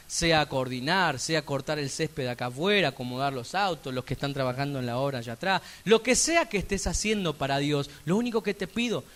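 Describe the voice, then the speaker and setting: A man with an Argentine accent preaching a sermon in church, emphatic, with sudden loud rising peaks and chatty asides. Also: fairly high pitch. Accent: Argentine Spanish. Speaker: pastor.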